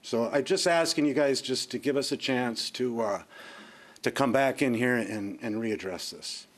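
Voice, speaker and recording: A man's voice: medium pitch, normal speed. A man making an appeal as a public commenter at a meeting. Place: council chamber.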